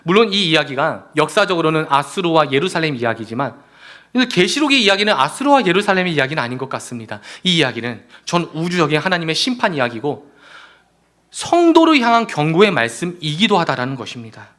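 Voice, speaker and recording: A man preaching a sermon as pastor, animated and repeatedly appealing to his congregation. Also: on the high side, fast talker. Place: church sanctuary.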